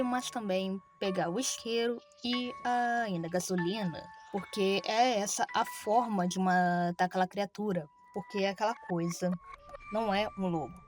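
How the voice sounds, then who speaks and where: A woman's voice: mid-range voice, a little mellow. A woman with a Brazilian accent giving a casual, slangy recap narration of a horror story as a video commentator. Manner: informal, slangy, with swearing. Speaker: YouTube commentator.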